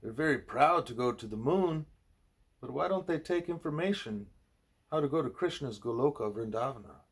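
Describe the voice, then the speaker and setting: A man's voice: mid-range voice, lively intonation, moderate pace, breathy edge. A man voicing a scornful, insistent Hindu guru in audiobook dialogue, speaking emphatically as if in dispute.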